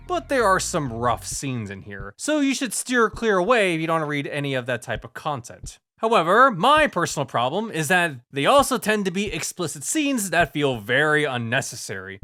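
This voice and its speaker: A man narrating a scripted review with an animated, opinionated delivery and casual asides. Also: a little high. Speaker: YouTube reviewer.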